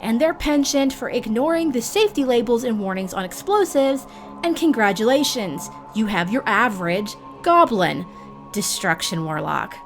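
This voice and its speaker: A woman hosting a guide series, reading scripted narration in a measured, theatrical manner with formal phrasing. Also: a little high, lively intonation, soft background music. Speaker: host of a roleplay guide series.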